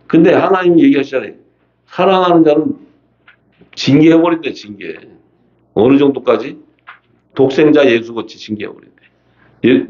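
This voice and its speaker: A man preaches in a seminar setting, speaking in a conversational way. He keeps asking rhetorical questions and voices the scripture he reads. The audio is dull and lo-fi, and his voice sits at an ordinary pitch. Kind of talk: seminar sermon.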